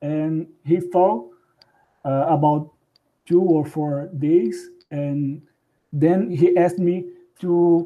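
A man's fairly high-pitched voice with a dark, mellow tone, fairly even intonation, and a very slow pace. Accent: Brazilian. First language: Portuguese. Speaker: engineering professor. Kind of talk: interview.

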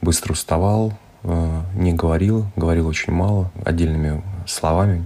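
A man talks in a very deep, low register, his intonation fairly even and his pace moderate. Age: 40s. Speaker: parent of a child with muscular dystrophy, company director. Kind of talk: recorded personal testimony.

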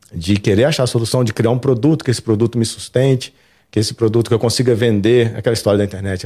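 A man speaks very fast with a dark, mellow tone at a medium pitch. His intonation is fairly even, his loudness very even, and the recording is very clean with a silent background. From Minas Gerais, Brazil (Juiz de Fora). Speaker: instrument maker and entrepreneur. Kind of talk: casual interview.

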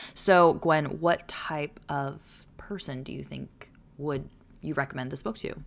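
A woman with a very deep, low pitch talks at a fairly slow pace, using ordinary pitch variation. Her voice has vocal fry, and her loudness swings widely. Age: 40s. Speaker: book podcast co-host. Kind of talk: casual chat.

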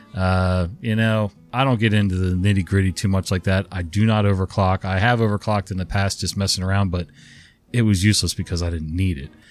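Mumbling at a fairly quick pace, a man speaks at a very deep, low pitch with fairly even intonation on a very clean recording with a silent background. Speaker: YouTube story narrator. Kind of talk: casual chat. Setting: home studio recording. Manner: slightly mumbled enunciation.

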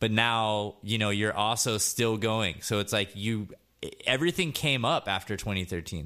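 In a very clean recording with a silent background, a man with an American accent talks in a plain, everyday voice, fairly low in pitch with ordinary pitch variation. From Miami, Florida. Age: 30s. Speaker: musician and podcast host. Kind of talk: casual chat.

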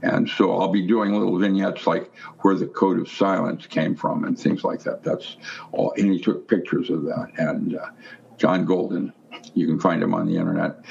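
With noticeable background noise around him, a man keeps a moderate pace. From US Pacific Northwest, Seattle. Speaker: physicist and metaphysics author. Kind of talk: casual chat. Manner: animated.

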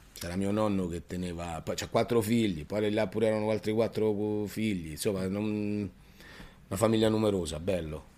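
With an ordinary speaking voice, a man talks at a moderate pace, with fairly even intonation and a fairly low pitch. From Rome, Italy. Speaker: actor. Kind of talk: casual chat.

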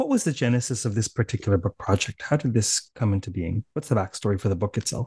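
A man with a dark, mellow tone and medium pitch speaks at a very fast pace with hardly any pauses. He sounds somewhat breathy against a quiet background. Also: ordinary pitch variation, dry, close sound with no echo. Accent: Canadian. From Canada. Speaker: podcast host, academic. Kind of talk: academic interview. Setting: remote call. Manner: laughs often, animated.

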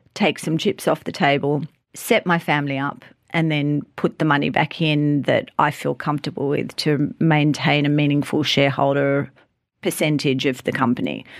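Over a silent background in a very clean recording, a woman with an Australian accent speaks at a moderate pace in a very deep, low pitch. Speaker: entrepreneur and author. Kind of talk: casual interview.

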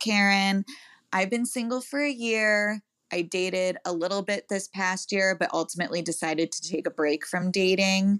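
A woman with an ordinary speaking voice talks at a moderate pace, her pitch medium and her pitch variation ordinary. The sound is dry and close with no echo, and the recording is very clean over a silent background. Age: 30s. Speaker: caller asking for dating advice. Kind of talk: recorded listener question.

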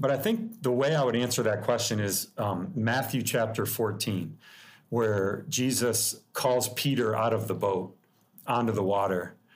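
On a very clean recording with a silent background, a man talks in a normal speaking voice at a medium pitch and fairly slow pace, with ordinary pitch variation and very even loudness. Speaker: bereaved father and foundation founder. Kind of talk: casual interview.

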